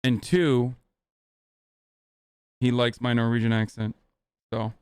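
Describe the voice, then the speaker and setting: A man's voice: mid-range voice, level tone, slow, a little mellow, clear, resonant tone, no room sound, studio quality. Crude, mocking man streamer. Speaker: live streamer reacting to clips. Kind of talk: casual profane stream chat.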